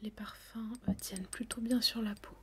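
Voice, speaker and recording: Softly whispering woman, even-toned. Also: medium pitch, normal speed. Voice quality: soft whisper. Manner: hesitant, many fillers. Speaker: perfume saleswoman in a roleplay. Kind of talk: whispered ASMR roleplay.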